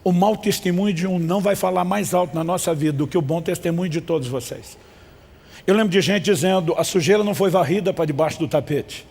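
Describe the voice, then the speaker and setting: Preaching a sermon in a big church hall with long reverb, a Brazilian pastor calls on the congregation to repeat his words back to him, speaking emphatically. His voice is a little high for a man, husky and somewhat mellow, with vocal fry.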